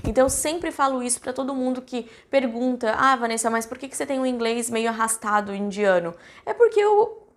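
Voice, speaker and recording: A woman's voice: fairly high pitch, expressive, fairly quick. A young woman from Brazil, a cruise ship crew member, chatting casually and directly to her viewers with lots of fillers.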